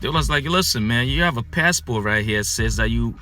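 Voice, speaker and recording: A man in his thirties, born in Ghana, telling a story casually from inside a car at night into a close-held phone, animated and full of fillers and repeats. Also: medium pitch, a little fast. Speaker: vlogger. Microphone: phone camera held close.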